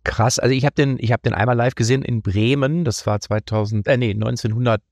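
A man's voice: medium pitch, quick pace, a little mellow, no room sound. A man chatting as a podcast guest, telling playful anecdotes in a joking, self-mocking way. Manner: playful anecdote-teller, slips into mock accents. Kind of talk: casual chat.

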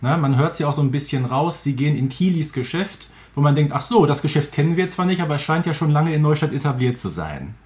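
A man's voice: on the high side, lively intonation, quick pace, few pauses, darkish tone. A man co-hosting a podcast and asking questions in a casual, conversational style. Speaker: podcast co-host, interviewer.

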